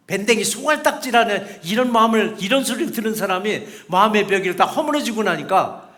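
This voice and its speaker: A man's voice: sits high, animated, a little fast, fairly bright tone. A middle-aged male pastor preaching a sermon, emphatic and repetitive, acting out short quoted voices.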